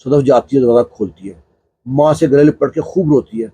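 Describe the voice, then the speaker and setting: A man's voice: mid-range voice, mellow, breathy edge, dry recording. A man narrating a family tale in a casual, conversational way, full of little fillers. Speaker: storyteller. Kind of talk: casual spoken storytelling.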